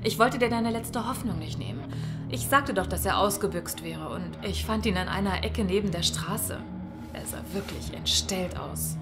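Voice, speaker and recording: A woman's voice: mid-range voice, normal speed, over music, natural voice. An actress playing a defensive woman in a domestic quarrel in an audio drama. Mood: apologetic.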